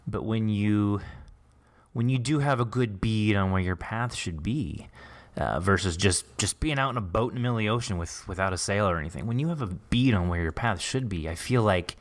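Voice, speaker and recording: A man's voice: lowish voice, brisk. A man hosting a casual, conversational interview in an encouraging, affirming way. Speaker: podcast host interviewing an author.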